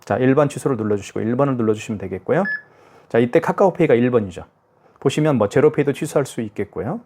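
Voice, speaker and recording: A man's voice: medium pitch, darkish tone, breathy edge. Chatty man demonstrating a card terminal. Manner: chatty, self-narrating each step, frequent "자" and "그죠?". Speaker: product demonstrator. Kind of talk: casual product tutorial. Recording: faint hiss with device clicks.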